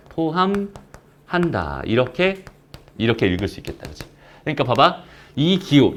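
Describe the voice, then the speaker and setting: Lively-pitched male math teacher. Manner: chatty, asks students questions and answers them himself. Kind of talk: recorded math lecture.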